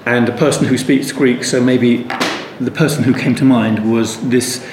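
Recorded in an echoey room with faint ambient noise, a Bible teacher delivers an unscripted study talk. His mid-range voice holds fairly even intonation at normal speed, and he rambles thoughtfully with frequent restarts and asides.

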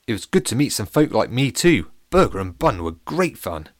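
A man's voice: lowish voice, big pitch swings, normal speed, no echo, studio quality. A man voicing a cheerful, posh male pancake captain in a storybook reading, with a plummy upper-class manner. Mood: jolly.

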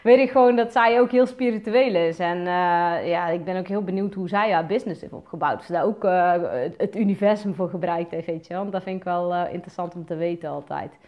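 A woman's voice: on the low side, brisk, few pauses. A woman with a Brabant accent, a business coach chatting casually on a livestream, full of fillers and casual swearing. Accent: Brabant Dutch. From Netherlands, North Brabant. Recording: slightly dull lo-fi sound.

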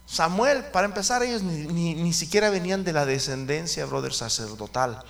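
Fervent preacher man, high and bright. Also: moderate pace, creaky. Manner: fervent, calls out to the congregation often. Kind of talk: sermon.

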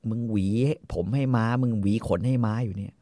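A man doing a gruff mocking old marshal. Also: fairly low pitch, steady tone, fairly quick, mellow, no echo, studio quality, lightly acted. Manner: gruff, teasing, coarse.

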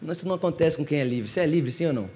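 A young male preacher with a Brazilian Portuguese accent and a high voice. He tells stories in a lively, animated way and turns often to the congregation as he speaks. His delivery moves at a quick pace. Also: slight background noise. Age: young adult. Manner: animated storytelling, talking straight to the congregation. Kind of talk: sermon.

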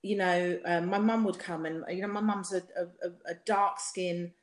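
A woman's voice: fairly low pitch, fairly even intonation, normal speed. A woman with a South London accent giving personal testimony in conversation, speaking emphatically with rhetorical repetition and often checking for agreement. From South London, England. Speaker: podcast guest, singer. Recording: roomy, echoey sound.

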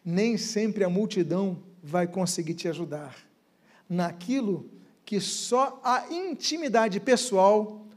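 A man preaching a sermon as pastor, swinging dramatically between loud and hushed phrases. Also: sits high, expressive, takes it slowly.

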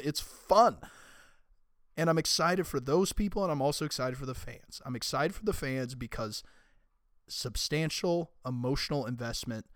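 A young man hosting a casual solo podcast, his voice raspy and hoarse, talking in an opinionated, emphatic way. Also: mid-range voice, dry recording, studio quality. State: hoarse from screaming and illness. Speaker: podcast host.

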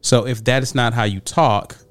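A man's voice: mid-range voice, steady tone, normal speed, fairly bright tone, clear, resonant tone, dry recording, faint music behind. A man with an African American accent co-hosting a casual debate, often questioning back and challenging. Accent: African American English. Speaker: podcast co-host.

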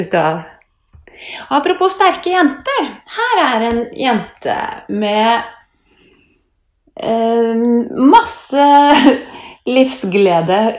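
A woman, a children's book author, chats in a lively way about her books and reads from them. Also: medium pitch, gravelly. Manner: lively, chatty, with little laughs. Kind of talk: presenting and reading her books. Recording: echoey room.

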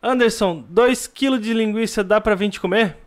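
A man's voice: high voice, moderate pace. A man with a Brazilian accent, chatting casually as a co-host on a live stream.

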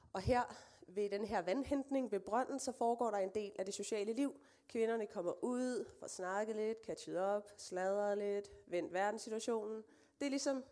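A woman's voice: medium pitch, mellow. A woman preacher giving a conversational sermon, reading scripture with casual asides and fillers.

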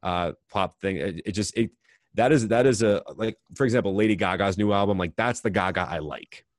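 A man with a very low, deep voice interviews a guest in relaxed conversation. He rambles and restarts often, piling on "like". The sound is dry and close, with no room around it. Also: fairly quick, no room sound. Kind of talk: casual interview chat.

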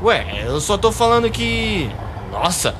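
A man's voice: high-pitched, very animated, slow, a bit bright, a little hiss or hum, heavily acted. A man playing a brash, crude, obnoxious young partygoer in a radio comedy, slangy and swaggering. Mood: cocky. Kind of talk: comedic radio drama acting.

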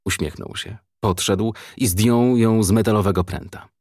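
Male narrator, low husky voice, dry close sound, audiobook reading. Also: normal speed, a little mellow, dry recording. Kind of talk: audiobook reading of a crime novel.

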